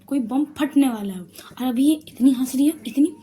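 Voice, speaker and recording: A woman's voice: high-pitched, moderate pace, dark tone, close to an everyday voice. A woman voicing a caring, teasing young woman professor who fusses and scolds in a storybook retelling. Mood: puzzled.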